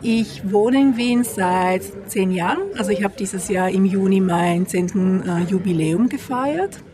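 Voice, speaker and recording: A woman's voice: mid-range voice, a little slow. Italian woman chatting over crowd noise. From Italy. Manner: hesitant, many fillers. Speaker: podcast guest. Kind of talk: casual interview chat. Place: outdoor wine tavern with other guests around. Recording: clear crowd noise behind.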